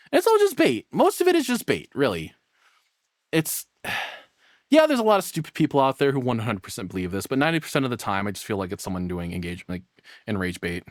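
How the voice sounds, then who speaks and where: A man giving casual, rambling reaction commentary as a streamer, sarcastic and quick to swear. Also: on the low side, dry recording, clean studio sound.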